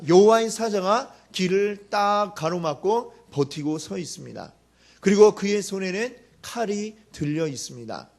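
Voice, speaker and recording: Animated high-voiced preacher telling a story. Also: male voice. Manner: animated, dramatic, rhetorical questions to the congregation. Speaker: pastor. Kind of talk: storytelling sermon.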